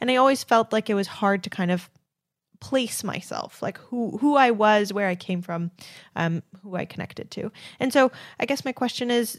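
Speaking in an ordinary speaking voice with a Canadian accent, a woman keeps a moderate pace and ordinary pitch variation in a dry, close sound with no echo. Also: very clean recording, silent background. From Canada. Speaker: podcast co-host. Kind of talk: casual personal conversation.

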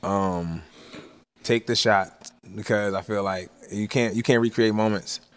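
This man has an American accent and a fairly low-pitched voice. His intonation stays fairly even, broken by long, frequent pauses. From West Philadelphia, US. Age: 20s. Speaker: photographer. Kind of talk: casual interview chat.

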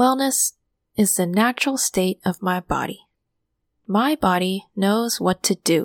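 A woman with an unremarkable speaking voice talks at a fairly slow pace in a medium pitch with ordinary pitch variation, and the recording is very clean, with a silent background and a dry, close sound with no echo. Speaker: meditation podcast host. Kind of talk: guided meditation. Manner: soft, calm, soothing.

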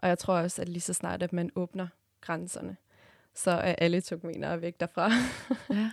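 A woman with vocal fry speaks at a fairly low pitch and a moderate pace, with fairly even intonation and long, frequent pauses. The recording is very clean with a silent background and a dry, close sound with no echo. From Turkmenistan, Ashgabat; in Denmark from age 9. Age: 20s. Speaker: student. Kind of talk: interview. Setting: studio.

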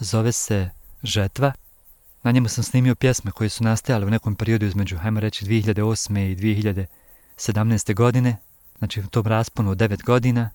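In a very clean recording with a silent background and a dry, close sound with no echo, a man speaks at a medium pitch in a plain, everyday voice. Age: 40s. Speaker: podcast host. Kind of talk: personal monologue. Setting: outdoors on a meadow.

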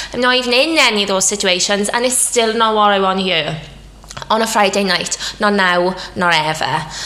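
A woman with a British accent speaks at a fairly quick pace and very even loudness. Noticeable background noise and audible room echo surround her voice. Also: medium pitch for a woman, ordinary pitch variation. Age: 30s. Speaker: podcast host. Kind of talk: casual solo podcast monologue. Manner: animated.

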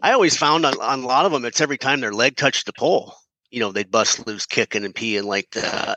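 Bright and sharp in tone, a man speaks at a fairly quick pace with an American accent. The sound is dry and close with no echo over a quiet background. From Iowa, US Midwest. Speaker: horse trainer. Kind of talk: casual chat.

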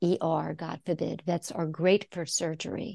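A woman's fairly low, dark, mellow voice in an American accent, monotone and flat, at a fairly slow pace, with a dry, close sound and no echo. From New York. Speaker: pet and human health coach. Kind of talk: interview.

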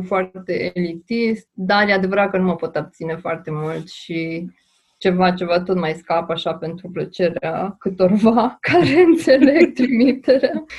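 At a fairly slow pace, a somewhat breathy voice speaks with lively intonation. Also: woman. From Romania, Craiova (Oltenia). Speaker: playwright. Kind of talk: interview.

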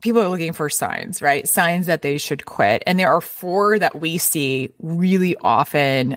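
A woman with an American accent speaks in a plain, everyday voice, pitched fairly low. Her pace is fairly slow, with hardly any pauses. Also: lively intonation. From US Midwest, Chicago suburbs. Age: 40s. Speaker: podcast co-host, HR leader. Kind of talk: casual chat.

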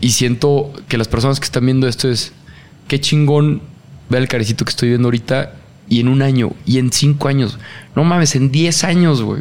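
A man with a normal speaking voice talks at medium pitch and a moderate pace, his intonation fairly even and his loudness very even. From northern Mexico (Torreón). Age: 20s. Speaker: motivational speaker and content creator. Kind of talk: casual chat.

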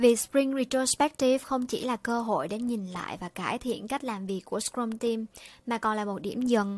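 A woman's plain, everyday voice at a fairly high pitch, with ordinary pitch variation and a moderate pace, in a dry, close sound with no echo on a very clean recording with a silent background. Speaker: Agile/Scrum coach presenting an educational video. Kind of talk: scripted narration.

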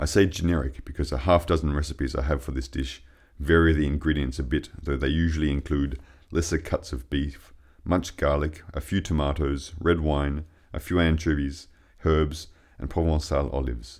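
This man, with an Australian accent, has a very deep, low pitch and vocal fry, speaking at a moderate pace with fairly even intonation. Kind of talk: reading aloud. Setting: home study.

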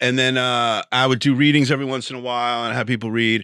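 This man has a medium pitch, a bright, sharp tone and fairly even intonation. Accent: American. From New York. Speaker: playwright. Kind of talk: casual chat.

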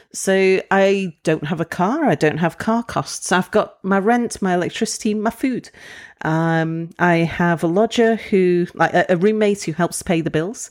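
A woman with a British accent speaks at a fairly slow pace. The recording is very clean, with a silent background. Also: medium pitch for a woman, ordinary pitch variation. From Britain. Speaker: Twitch streamer. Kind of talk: interview.

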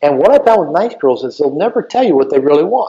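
Very wide swings in pitch mark this man's speech, delivered in a Pacific Northwest accent. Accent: General American (Pacific Northwest). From US Pacific Northwest, Seattle area. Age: 60s. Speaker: author and therapist. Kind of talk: interview. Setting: video call.

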